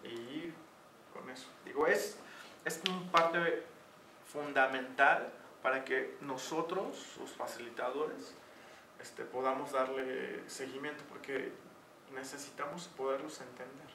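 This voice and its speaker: A man's voice: mid-range voice, slow. Mexican guy tutoring, lots of fillers, roomy echo and noise behind, sits back from the mic. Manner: chatty, uses many fillers. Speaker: teacher. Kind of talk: online tutoring session. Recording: echoey room, distant mic, noisy.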